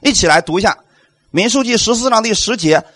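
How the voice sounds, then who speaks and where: A man's voice: high voice, expressive, a little fast, a bit bright, no room sound. A male pastor delivering a sermon, emphatic, asking the congregation rhetorical questions and acting out quotes.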